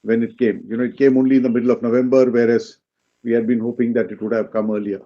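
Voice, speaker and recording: A man answering questions as a company executive on a business call, explaining in a halting way and often checking with a short tag question. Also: medium pitch, level tone. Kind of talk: unscripted business Q&A on an earnings call. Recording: dull, lo-fi conference call audio.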